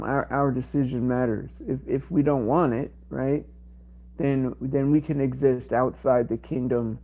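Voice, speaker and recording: A man hosting a livestream in casual chat, his voice strained and cracking, rambling and halting with many fillers. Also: mid-range voice, creaky, warm tone. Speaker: livestream host.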